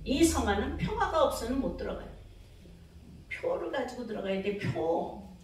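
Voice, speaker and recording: Preaching a revival sermon, this woman pastor speaks at normal speed in a fairly high voice with big swings in pitch. She theatrically performs her own prayers and keeps asking the congregation for amens. A distant mic in a very reverberant hall picks her up, along with slight hiss or hum.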